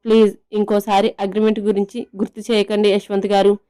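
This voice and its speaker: A lovesick young woman from an audio love story, as a female narrator voices her, soft and pleading and quick to feel hurt. Her tone is dark and mellow, with a clear, smooth sound. Her pitch stays narrow and flat. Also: natural voice.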